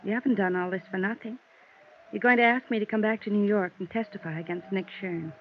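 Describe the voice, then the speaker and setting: Actress as tired cagey young mom on old radio, dull hissy broadcast sound. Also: female voice, mid-range voice, steady tone, fast talker, close to an everyday voice. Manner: tired, guarded, evasive. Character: weary, guarded young mother hiding from a gangster. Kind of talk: 1950s radio drama acting.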